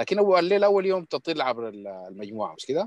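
A man speaks with lively intonation in a dry, close sound that has no echo. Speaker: participant asking questions, academic. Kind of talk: casual discussion. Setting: video call.

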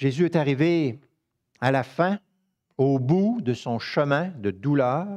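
Very slow speech from a fairly high-pitched man, lively in intonation, over a quiet background. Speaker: pastor. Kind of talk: sermon. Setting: church. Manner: fervent, emphatic preaching. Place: church. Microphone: headset.

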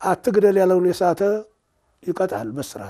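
A man's high voice with a dark, mellow tone and ordinary pitch variation. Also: quiet background. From Ethiopia, Bulga area; Ethiopia. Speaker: Orthodox church scholar and teacher; teacher. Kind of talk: interview about his life. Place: home room. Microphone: lapel.

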